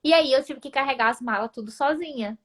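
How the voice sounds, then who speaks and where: A woman's voice: high-pitched, quick pace. A young woman chatting casually as a guest, telling stories with animation and her voice jumping up when she gets to the dramatic parts. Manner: animated storyteller, voice jumps up when retelling. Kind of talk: casual chat.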